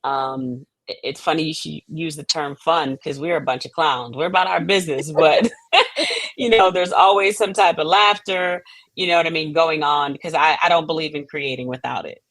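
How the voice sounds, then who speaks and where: The guest is a middle-aged American woman who writes and directs for the stage, answering questions thoughtfully and explaining at length while often asking "you know what I mean." Her deep, fairly bright voice moves at normal speed, with no room sound.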